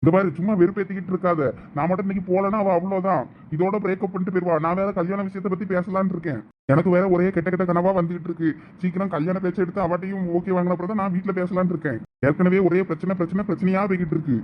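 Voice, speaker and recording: A man's voice: sits high, flat delivery, racing, few pauses, lo-fi sound, a little hiss or hum, natural voice. A man in a village comedy skit, playing an impatient young son who bickers with his mother and friend. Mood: exasperated. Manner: exasperated, bickering.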